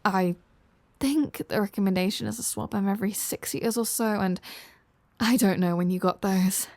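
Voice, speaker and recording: A woman's voice: mid-range voice, moderate pace, a little mellow, no room sound, lightly acted. A woman playing a flirty, sardonic female vampire in an audio roleplay, teasing the listener with dry sarcasm. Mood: dry, nonchalant.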